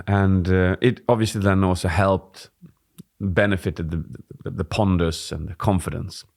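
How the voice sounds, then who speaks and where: A deep-voiced man with a gravelly edge talks through a presentation tip for a podcast. He explains things steadily and unhurriedly, stretching some words. He speaks into a studio microphone in a dim room. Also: steady tone, unhurried. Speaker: podcast co-host, presentation coach. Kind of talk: casual podcast chat. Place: dim studio with warm lamps. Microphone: studio mic on boom arm.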